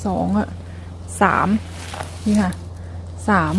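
A young adult woman chatting casually to her viewers while foraging outdoors in a forest, with excited exclamations. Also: extremely slow, slight background noise. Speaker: vlogger.

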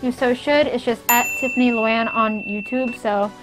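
Young girl vlogging, pretty high voice, lots of likes and kind ofs, giggly, some soft music behind. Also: fairly even intonation, moderate pace. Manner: rambling, many "like" and "kind of" fillers, giggly; stutters at times. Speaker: YouTuber. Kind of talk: casual vlog advice.

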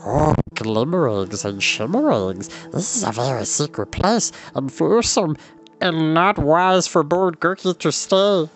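Man doing a shaggy beast creature, timid, fretful, odd broken rhyming speech, higher voice. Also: expressive, measured pace, soft background music. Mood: fearful.

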